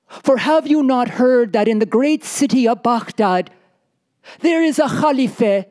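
A poor desert wife, anxious and insistent, as a woman storyteller puts her on. Her voice climbs high and pleading, stressing each plea slowly. She keeps calling out to her husband with mounting urgency. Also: a little mellow. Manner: pleading, repeating "husband" with rising intensity.

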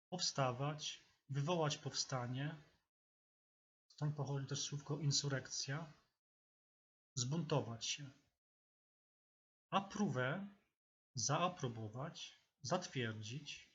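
A man teaching a vocabulary lesson, speaking slowly and deliberately with pauses between words. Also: a little high, a bit bright, slight background noise. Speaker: language teacher. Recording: dull lo-fi recording.

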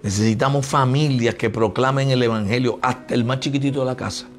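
A man's voice: medium pitch, fairly even intonation, a little fast. A middle-aged man with a Puerto Rican accent preaching a sermon in a conversational way, acting out talks with his family. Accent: Puerto Rican Spanish. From Puerto Rico. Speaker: pastor.

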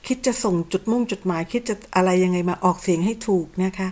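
A woman's voice: mid-range voice, fast, dark tone. Sarcastic Thai woman rebutting clips. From Thailand. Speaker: channel host. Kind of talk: combative commentary on clips.

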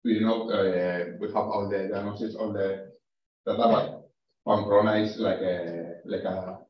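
Slow, halting man presenting research. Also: lowish voice, level tone, slight background noise. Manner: halting, hesitant, many fillers. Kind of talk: academic presentation and answers. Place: lecture room. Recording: echoey, distant, dull room recording.

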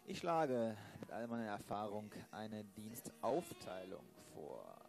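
A man acts a self-important veteran detective in an audio play. His voice is fairly low and his phrasing pompous and stilted. Music plays behind him. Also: very animated, takes it slowly, gravelly, heavily acted. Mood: grave, pompous. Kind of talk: improvised audio drama acting.

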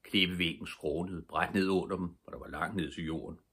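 An older man reading a children's book aloud as a calm, steady bedtime story. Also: low voice, slightly rough. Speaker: storybook reader.

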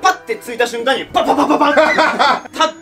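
A man's voice: extremely high pitch, racing, creaky. A young man with a Kansai accent telling a funny story to friends, laughing as he goes. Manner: laughs through his own story, animated gestures. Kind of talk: casual comic storytelling. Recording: distant voice under loud music and crowd. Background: loud music and group laughter.

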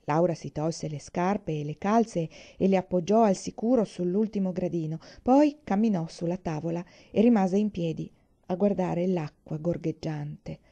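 Woman reading a storybook out loud, very dark mellow voice, expressive, dull lo-fi sound. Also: on the low side, moderate pace. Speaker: narrator. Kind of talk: storybook narration.

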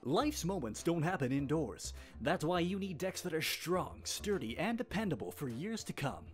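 A man from Canada reads promotional copy as a voice actor. His voice sits fairly high and moves with animated pitch. Faint music plays behind him. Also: moderate pace. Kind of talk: scripted demo reel and ad read.

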